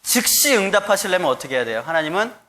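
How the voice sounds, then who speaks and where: A man in his thirties, a pastor preaching a sermon with animated storytelling. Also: high-pitched, fast. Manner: animated storytelling, acts out quoted voices.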